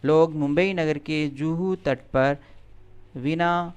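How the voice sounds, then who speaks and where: A man's voice: fairly high pitch, a little mellow, clean tone. A male teacher in a video lesson, carefully pronouncing Sanskrit words and explaining the answers in plain everyday speech. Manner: slow, deliberate pronunciation drill, then plain explanation.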